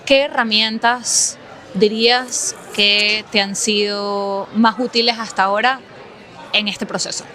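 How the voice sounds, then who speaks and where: A woman's voice: medium pitch, fairly even intonation, slow pace, pushed and bright, a faint crowd. A woman hosting an interview podcast, playful and chatty, asking short questions. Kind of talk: casual conversational interview.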